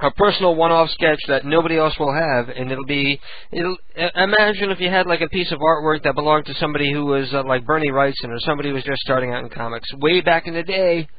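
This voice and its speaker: Brash fast-talking radio co-host man. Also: fairly high pitch. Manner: brash, profane. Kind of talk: casual radio chat. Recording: tinny phone-like radio audio.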